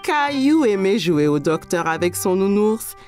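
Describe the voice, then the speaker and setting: A woman's voice: mid-range voice, very animated, unhurried, darkish tone, soft background music. A woman narrating a children's cartoon in the manner of a storybook reader. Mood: storytelling. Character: storyteller of a small boy's everyday adventures.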